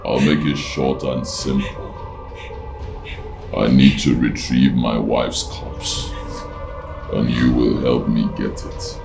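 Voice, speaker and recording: An actor playing a cold, scheming kidnapper who talks in slow, clipped threats. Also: male voice, flat delivery, heavily acted. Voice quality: deep gravelly voice. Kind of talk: film drama acting. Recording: roomy echo over loud music.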